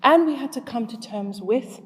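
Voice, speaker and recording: A woman in her forties, raised in Zimbabwe, speaks at a community event in a large hall, her fairly high, expressive voice moving at a moderate pace. She poses questions to the live audience before launching into a personal story. The long reverb of the big hall carries through the recording.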